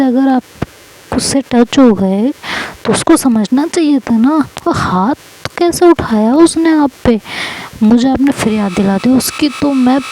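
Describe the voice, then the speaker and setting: A pouty young wife in an audio love story, played by a woman narrator, sulky one moment and fiercely protective the next. Her voice is a little high and mellow in tone. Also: slight background noise, low-quality recording. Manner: sulky and fiery.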